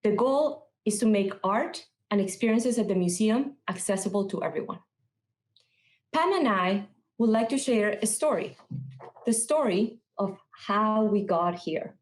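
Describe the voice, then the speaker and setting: A woman's voice: medium pitch, a little mellow. Earnest woman speaker in a roomy echo. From Peru. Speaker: conference speaker. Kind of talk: rehearsed conference talk.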